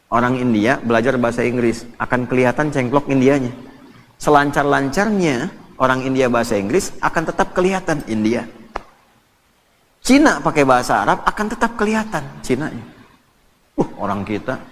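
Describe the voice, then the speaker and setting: A man preaching a sermon, telling stories in an animated, joking way. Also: medium pitch, brisk, slight background noise. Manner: animated and joking, lively storytelling with laughs. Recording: distant reverberant hall, faint ambience.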